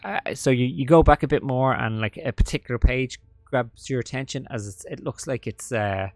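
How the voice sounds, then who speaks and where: A man narrating as game master, talking in a halting way full of fillers and restarts. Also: mid-range voice, dry recording, soft background music.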